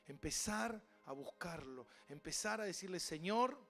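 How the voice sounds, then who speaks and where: Impassioned Argentine pastor preaching. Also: male voice, a little high, normal speed, soft background music. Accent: Argentine Spanish. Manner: impassioned preaching, mimics voices, builds to loud cries. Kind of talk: sermon.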